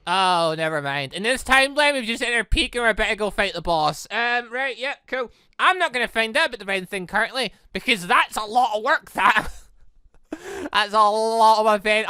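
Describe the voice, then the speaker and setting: An excitable, rambling gaming channel host giving casual let's play commentary, prone to breaking into laughter, on a close mic. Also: medium pitch, clean tone, no room sound.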